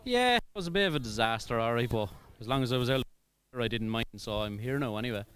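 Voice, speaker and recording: Irish male driver, laid-back, clear voice, dry sound. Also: mid-range voice, lively intonation, quick pace, fairly bright tone, no room sound. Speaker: drift driver.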